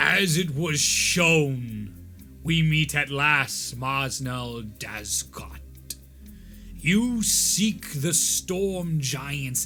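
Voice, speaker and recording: Over clear music, a man bellows in a put-on character voice with a fairly high pitch at a very slow pace. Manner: bellowing.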